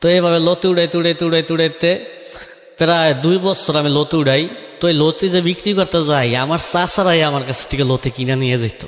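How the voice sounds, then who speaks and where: Noticeable background noise sits behind a man with a high pitch, very even loudness and ordinary pitch variation. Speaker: radio confession guest, garment factory operator. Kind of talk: personal life story told in interview.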